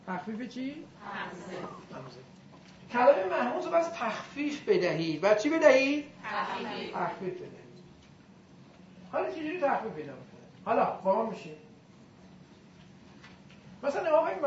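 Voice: medium pitch, muffled recording, background noise. A teacher giving a classroom lesson on Arabic grammar and pronunciation, demonstrating sounds aloud and quizzing the class.

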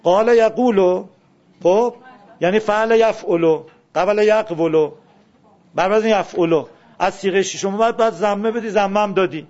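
High-voiced man teaching a grammar class. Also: darkish tone. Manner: questioning, drills word forms aloud. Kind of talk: classroom lesson on Arabic grammar. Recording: dull lo-fi classroom recording.

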